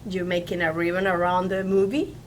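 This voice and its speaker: A woman's voice: lowish voice, little pitch movement, a little hiss or hum. A woman from Venezuela who speaks Spanish as her first language talks about her work as a film producer in a casual interview, stopping and restarting often. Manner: halting English with many restarts and repeated words. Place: studio.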